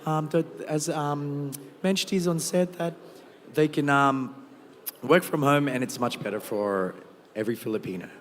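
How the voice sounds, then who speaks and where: A hoarse man giving a halting guest talk on stage, with many fillers. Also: on the high side. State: hoarse, lost his voice. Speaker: guest speaker. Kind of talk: stage speech. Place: large event hall. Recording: long hall reverb.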